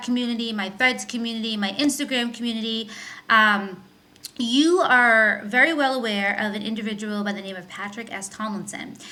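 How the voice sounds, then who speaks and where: Audible room echo surrounds a woman with a fairly high pitch. Her tone is animated, and her pitch variation is ordinary. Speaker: podcast host. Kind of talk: casual commentary monologue.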